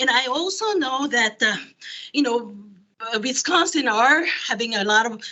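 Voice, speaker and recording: A woman with a non-native accent talks at a moderate pace and high pitch, making very wide pitch swings. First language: not English. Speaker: history professor, public commenter. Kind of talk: public comment at board meeting. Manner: halting, many fillers.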